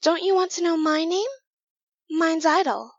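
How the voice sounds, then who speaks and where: Casting: wide-eyed newborn clone played by a woman, high and earnest, dry muffled audio drama sound. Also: a little slow, dry recording. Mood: uncertain, curious. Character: eager, naive young female clone.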